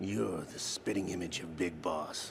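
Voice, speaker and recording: A man puts on a character voice that is very deep and low, speaking at a moderate pace. Background noise is clearly audible. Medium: video game. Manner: sly, theatrical.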